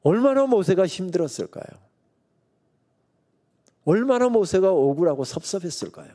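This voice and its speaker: A middle-aged man preaches a revival sermon from the pulpit mic in a church sanctuary. His voice is mellow and somewhat high, and his pitch swings widely as he tells the story and plays its characters with humor. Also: sing-song, normal speed. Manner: storytelling preacher who acts out God's and Moses' lines with humor. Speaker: guest pastor preaching at a revival meeting.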